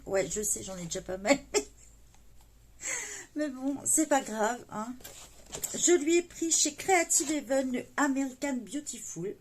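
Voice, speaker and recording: A woman's voice: high-pitched, animated, normal speed, a little hiss or hum. A woman chatting casually as she unboxes a parcel of coloring books, full of fillers and delighted little exclamations. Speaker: coloring book haul vlogger.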